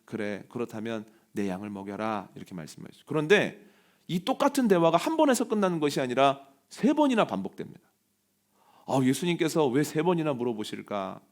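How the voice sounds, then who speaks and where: Male pastor, sermon delivery, higher voice with a very animated melody, storytelling with quoted dialogue. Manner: storytelling, voicing quoted dialogue softly and lower; rises in pitch and force on key points.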